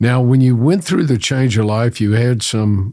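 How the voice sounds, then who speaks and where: With a dark, mellow tone, a man talks at medium pitch and ordinary pitch variation. The recording is very clean, with a silent background. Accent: Texan. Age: 70s. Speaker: physician and show host. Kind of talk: interview.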